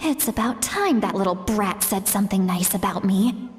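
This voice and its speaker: A woman voicing a feisty, grumbling tribal grandmother in a video game, sharp-witted, brusque and protective, given to muttering to herself. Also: mid-range voice, normal speed, faint music behind, natural voice. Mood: exasperated. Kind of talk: video game character acting.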